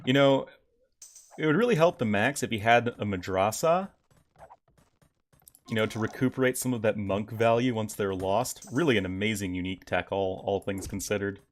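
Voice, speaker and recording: A man's voice: on the low side, moderate pace. A young man casually commentating a strategy game on his live stream, chatting with his viewers. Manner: casual, chatty, reacts to chat. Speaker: game caster.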